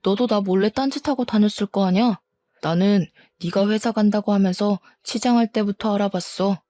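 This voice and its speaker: A defensive, scornful cheating husband in a spoken storybook, read out by a woman. He blusters and turns every accusation back on his wife, in a mellow, dark tone. The recording is dry and close. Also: mid-range voice, moderate pace, no room sound, natural voice. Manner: blustering, blame-shifting.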